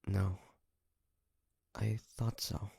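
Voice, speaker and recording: Male actor as earnest young hunter, low gravelly voice, halting, emotional, audio drama, close dry recording. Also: little pitch movement, dark tone, no room sound, heavily acted. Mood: emotional, apologetic. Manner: halting, hesitant, stammering. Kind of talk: dramatic audio roleplay acting.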